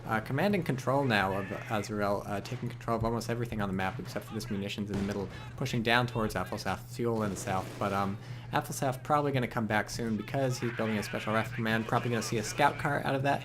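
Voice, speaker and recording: A young man casting a strategy game match in a rambling, joking way, with excited bursts when the action heats up. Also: fairly low pitch, gravelly, noisy background. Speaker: game commentator. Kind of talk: casual video game commentary.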